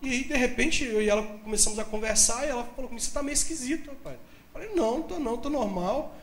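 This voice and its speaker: A pastor from Brazil preaching in church, telling a personal story with animated delivery and acting out the dialogue. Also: male voice, extremely high pitch, fast, slight background noise. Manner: animated storytelling, acts out dialogue, laughs at own jokes. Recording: echoey church hall.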